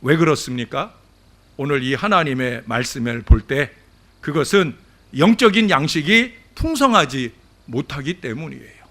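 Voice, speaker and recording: A male pastor delivering a Sunday sermon at a church service, speaking straight to his congregation. His voice sits a bit high, and its pitch leaps and falls in lively, emphatic swings. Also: normal speed. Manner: animated preaching, addresses the congregation directly.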